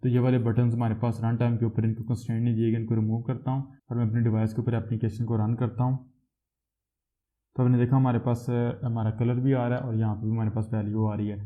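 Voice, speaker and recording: A man walks through a programming tutorial in a flat, even voice that barely rises or falls. He explains each step patiently, often stopping to correct himself. The sound is thin and tinny, like a phone line. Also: medium pitch, fast talker. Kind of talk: screen-recorded coding tutorial.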